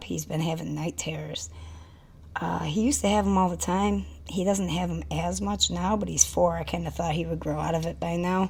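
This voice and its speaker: A quiet, raspy, put-on character voice at a moderate pace, with clear background noise. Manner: speaking quietly.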